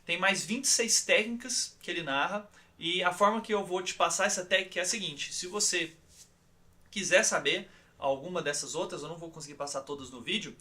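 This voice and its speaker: A Brazilian man leads an online course lesson in a calm, guiding manner. His voice sits a touch higher than most men's and has a bright, forward edge. He often pauses to check in with listeners. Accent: Brazilian Portuguese. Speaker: course instructor.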